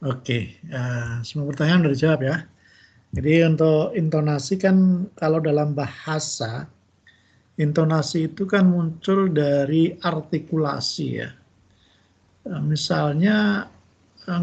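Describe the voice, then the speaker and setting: Gravelly lecturer on a muffled video call. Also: male voice, a little high, takes it slowly, pauses often. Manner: relaxed, chatty, with many fillers and tag questions. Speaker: university lecturer. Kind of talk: giving feedback in an online class.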